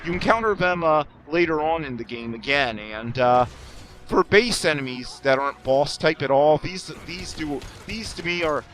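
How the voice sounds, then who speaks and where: A man talking over his own gameplay in a somewhat high voice, rambling and self-deprecating. He restarts sentences often and drops in sarcastic asides. Faint music plays underneath. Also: normal speed, a bit bright. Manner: sarcastic jokes. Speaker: let's play commentator. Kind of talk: casual gameplay commentary.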